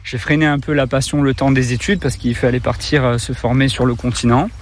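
A man's voice: mid-range voice, little pitch movement, fairly quick. Man, middle-aged, from Corsica, zoo director, hesitant, restarts often, walking outdoors, light background noise. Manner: hesitant, many fillers and restarts. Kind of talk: interview on a walking tour.

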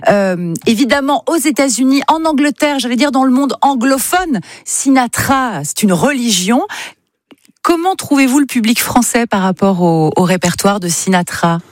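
A woman hosting a live interview, enthusiastic and quick to laugh. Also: on the high side, expressive, no room sound, studio quality. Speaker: radio host.

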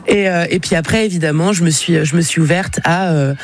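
A woman's voice: on the low side, brisk. A woman of about forty, a singer, answering radio interview questions frankly and animatedly, with many fillers and restarts. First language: French.

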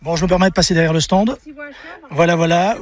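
A man's voice: a little high, quick pace. A man reporting from an outdoor flea market, chatting and joking with a stallholder. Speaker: radio reporter. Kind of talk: casual street interview.

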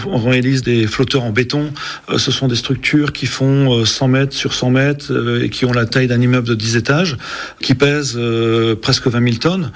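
A man giving a technical explanation in an interview as a port executive, in a hesitant, halting manner. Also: mid-range voice. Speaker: deputy managing director of a port, interviewee.

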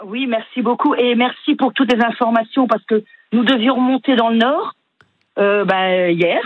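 An older woman from northern France with a northern French accent, calling in to a radio show, friendly and hesitant with many pauses. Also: on the high side, no echo, phone-quality sound. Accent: northern French (Flemish area). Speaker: caller.

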